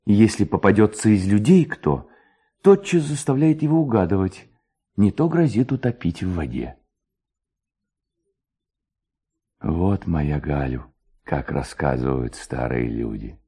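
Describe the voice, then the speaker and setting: A young village lad acted by a male narrator tells eerie old tales in a suspenseful, tender way. The voice is mellow and slightly husky, with very mobile intonation, as in a storybook. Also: lowish voice, full character voice. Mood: wry, tender. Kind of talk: literary audiobook storytelling.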